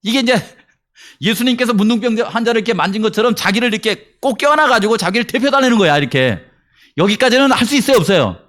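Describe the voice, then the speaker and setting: Korean pastor telling a story in a sermon. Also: male voice, high voice, animated, quick pace, a bit bright. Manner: storytelling with acted-out quotes and questions to the congregation.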